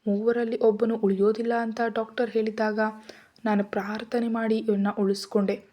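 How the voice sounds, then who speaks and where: A woman's voice: fairly high pitch, level tone, moderate pace, mellow, natural voice. A woman voicing a caring, anxious young mother in a read-aloud story. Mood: worried. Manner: tender, pleading.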